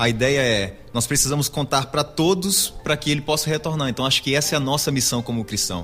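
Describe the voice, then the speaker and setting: A man speaks fairly quickly with hardly any pauses, his pitch fairly high and ordinary in variation. His loudness stays very even. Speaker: mission volunteer organization president. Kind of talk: casual chat.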